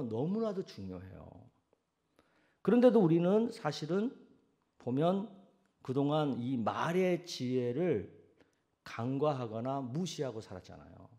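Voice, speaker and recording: A senior pastor preaching a sermon, asking the congregation questions and acting out quoted sayings in a soft, low voice. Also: male voice. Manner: asks the congregation direct questions.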